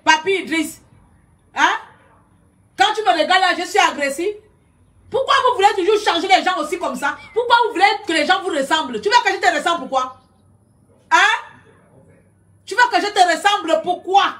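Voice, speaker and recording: Loud combative woman, high voice. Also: animated, brisk, long pauses. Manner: loud, combative, shouting at viewers. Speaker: live-stream commentator. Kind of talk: heated live-stream rant. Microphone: computer webcam.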